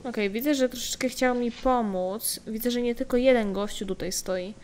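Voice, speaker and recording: A woman's voice: on the high side, moderate pace, a little mellow, a little hiss or hum. A young adult woman giving casual let's-play commentary, chatting and muttering to herself as she plays. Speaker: gameplay streamer. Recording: game music faintly behind.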